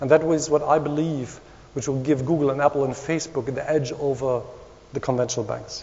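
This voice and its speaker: A man talks at a fairly quick pace. He has a German accent. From Germany. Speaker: asset management CEO. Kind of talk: conference keynote talk.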